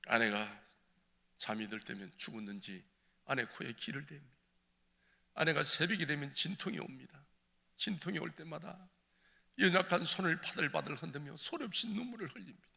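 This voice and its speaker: Church elder, gravelly and piercing, giving a tearful, impassioned testimony that swings from hushed to crying out, in a reverberant sanctuary. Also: male voice, a little high, expressive, moderate pace.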